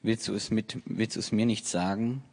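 A curt, demanding young prince in a scripture reading, voiced by a man close to his own low voice. The delivery stays plain and measured. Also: fairly even intonation, darkish tone. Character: young prince, scheming and then harsh, male.

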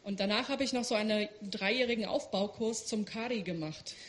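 A woman with a medium-pitched voice, speaking a little fast, interprets a guest's testimony in church line by line. She's fluent, with the odd hesitant filler.

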